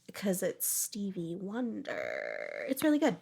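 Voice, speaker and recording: A woman's voice: mid-range voice, wildly swooping pitch, measured pace, gravelly, a little mellow, breathy edge. A young American woman chatting casually as a co-host of a podcast. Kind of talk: casual chat.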